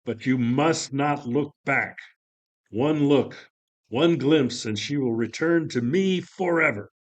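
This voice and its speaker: A stern lord of the dead , acted by a man in a stage play. He is imperious and curt, giving orders in a mid-pitched male voice. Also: takes it slowly, dull audio. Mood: grave, commanding. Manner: commanding, curt. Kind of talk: dramatic play reading.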